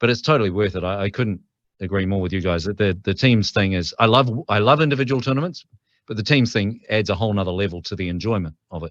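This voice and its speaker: The speaker goes at a very fast pace with ordinary pitch variation over a quiet background. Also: man, fairly low pitch for a man. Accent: New Zealand. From New Zealand. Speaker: podcast guest, gaming podcaster. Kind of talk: casual chat.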